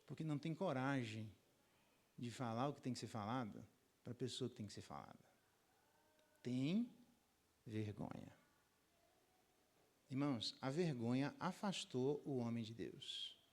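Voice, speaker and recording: A middle-aged Brazilian man, a pastor, teaching a Bible lesson with anecdotes and acting out the dialogue himself. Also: medium pitch. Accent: Brazilian Portuguese. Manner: lively storyteller, acts out dialogue in raised voices.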